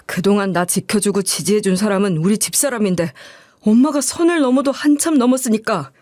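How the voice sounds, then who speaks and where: A woman's voice: mid-range voice, fairly quick, no room sound, studio quality, lightly acted. A woman voicing a furious husband scolding his mother. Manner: shouting, heated scolding. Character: angry adult son and loyal husband.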